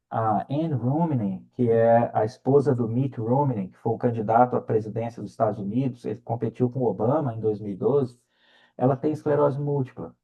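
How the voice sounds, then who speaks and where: Recorded with a lo-fi sound, a middle-aged Brazilian man speaks in a mid-range voice. Originally from Minas Gerais, he's a researcher being interviewed, and he leans on anecdotes and regular check-in tags as he tells his stories conversationally.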